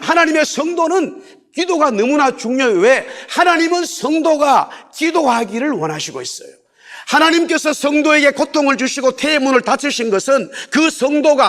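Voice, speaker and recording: A man's voice: very high-pitched, fairly bright tone. A man pastor preaching a sermon in church, stressing key words by repeating them and having the congregation repeat lines after him. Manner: leads the congregation in repeating phrases aloud. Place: church sanctuary.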